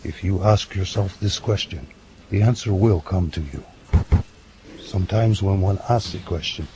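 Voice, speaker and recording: Guy acting as a wise old-style medicine man, real low voice, ceremonial and riddly, audio drama with noise behind. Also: close to an everyday voice. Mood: cryptic, serene. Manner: measured, ceremonial, speaks in riddles.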